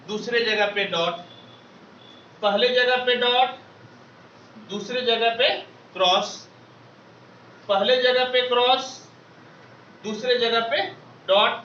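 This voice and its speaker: Male maths teacher, keeps firing questions for the class to shout back; distant, lo-fi mic. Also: very high-pitched, echoey room, a little hiss or hum. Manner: drills students with call-and-response questions. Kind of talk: classroom lecture.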